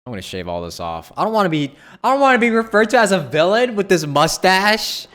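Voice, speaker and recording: A man's voice: sits high, very animated, a little fast, pushed and bright. A man live-streaming a game with casual, sweary, joking commentary to his chat, often exclaiming.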